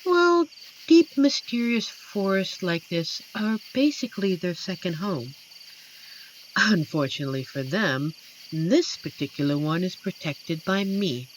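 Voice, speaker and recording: A woman voicing an amiable, playful female werewolf who guards a forest, in a scripted audio roleplay spoken to the listener with a teasing, chatty manner and dramatic pauses. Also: on the low side, expressive, a little hiss or hum, low-quality recording. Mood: darkly amused, menacing.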